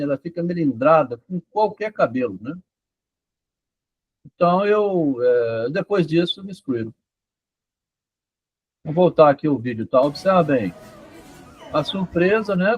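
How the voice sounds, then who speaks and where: Homem de voz rouca e aguda. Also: male voice, on the high side, expressive, a little slow, long pauses, husky, no room sound, rough recording. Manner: rambling, frequent "tá?" and "né?" checks. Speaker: author discussing his doctoral thesis. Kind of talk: casual conversation about psychoanalysis and literature.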